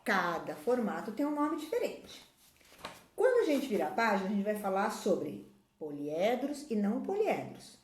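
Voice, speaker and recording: A woman's voice: mid-range voice, sing-song, moderate pace, a little hiss or hum. A woman teaching a children's math lesson, patiently explaining shapes while pointing at objects. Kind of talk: classroom video lesson. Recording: echoey room.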